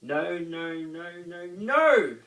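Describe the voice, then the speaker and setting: Excitable little storybook rascal, voiced by a man, shouting high. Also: drawn-out words, heavily acted. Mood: indignant. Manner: shouting and squealing. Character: little rascal monster-makers, excitable, bossy, mischievous terrors. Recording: roomy, distant mic, faint noise.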